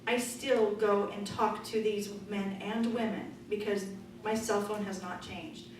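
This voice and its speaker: A middle-aged woman speaking as a political candidate at a forum, loud and forthright in a conversational way. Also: mid-range voice, steady tone, unhurried. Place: meeting room. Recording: echoey room from far off, noisy.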